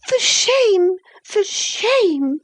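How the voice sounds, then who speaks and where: Woman playing tearful lovestruck girl, shrill and high, pleading. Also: a little slow, darkish tone. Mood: indignant. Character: infatuated young girl, indignant and tearful. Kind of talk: audiobook dialogue reading.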